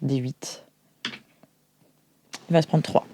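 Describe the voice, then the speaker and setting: A woman's voice: low voice, fairly even intonation, takes it slowly, warm tone, a little hiss or hum. Casual woman running a tabletop game. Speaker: game master. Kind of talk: improvised tabletop roleplay narration, casual.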